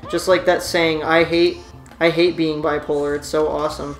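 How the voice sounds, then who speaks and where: A woman's voice: sits low, flat delivery, moderate pace. A woman hosting a let's play, chatting casually and swearing freely as she jokes around. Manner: laid-back, profane, joking. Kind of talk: casual gameplay chat. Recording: roomy room, faint game music.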